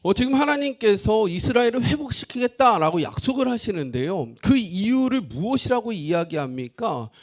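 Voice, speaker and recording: Lively, animated male pastor preaching. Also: high-pitched, normal speed, few pauses. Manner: animated, jokes with the congregation and asks them questions. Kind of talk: sermon.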